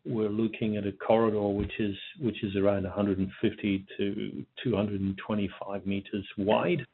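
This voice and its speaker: A man with a fairly low, slightly husky voice speaks as a company executive on an earnings call. He is halting and often repeats words. The sound is narrow, like a phone line. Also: level tone. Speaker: company executive answering analysts. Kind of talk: earnings call question and answer.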